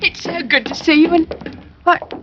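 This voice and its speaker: Chatty young woman, high-voiced, old radio sound. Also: a little slow, noisy background. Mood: cheerful. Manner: bright, chatty. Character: cheerful young woman, lively daughter. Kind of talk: 1940s radio acting. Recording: dull vintage radio recording.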